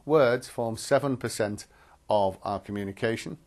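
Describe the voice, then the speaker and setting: A man presenting a training film in a measured, articulate, instructive way, as scripted narration. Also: lowish voice, darkish tone.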